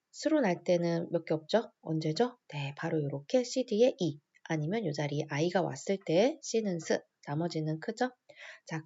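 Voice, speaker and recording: A woman teaching English phonics step by step to adult learners. She spells out each word slowly, repeats every rule and keeps checking in with small questions. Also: lowish voice, warm tone, dull audio.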